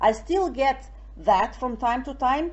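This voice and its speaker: A woman with a Serbian accent. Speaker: network marketer. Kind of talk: interview testimony.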